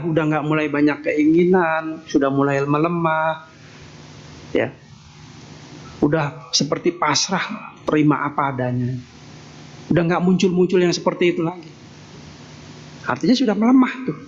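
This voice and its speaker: Folksy monk preaching in a lo-fi hall. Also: male voice, fairly high pitch, normal speed, pauses often. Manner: folksy, jokey, tags nearly every phrase with "ya". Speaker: Buddhist monk giving a Dharma talk. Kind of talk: sermon. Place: temple hall. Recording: dull lo-fi sound with faint noise.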